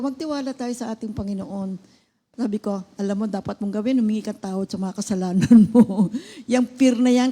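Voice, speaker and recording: A woman co-hosting a Christian teaching program, talking casually and telling stories with lively acted-out dialogue. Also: mid-range voice. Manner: animated storytelling, acting out dialogue loudly. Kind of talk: conversational Bible teaching.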